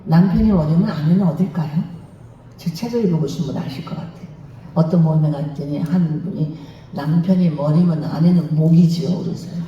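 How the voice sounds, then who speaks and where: Mellow-voiced woman preaching in an echoey hall. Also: deep voice, fairly quick, a little hiss or hum. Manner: lively teaching, acts out dialogues and has the congregation repeat phrases. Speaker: guest speaker at a church revival meeting. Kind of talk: lecture-style sermon on marriage. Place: large church worship hall. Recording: dull, very echoey hall, mic at a distance.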